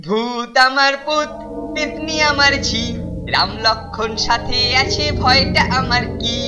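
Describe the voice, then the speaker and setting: A woman's voice: a little high, takes it slowly, dull audio. A woman voicing a bossy, boastful schoolboy in a children's cartoon, with pompous, theatrical phrasing. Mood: theatrical chanting. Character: bossy, boastful older schoolboy dabbling in spells. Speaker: cartoon voice actor. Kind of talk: exaggerated children's cartoon acting. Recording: background music under the voice.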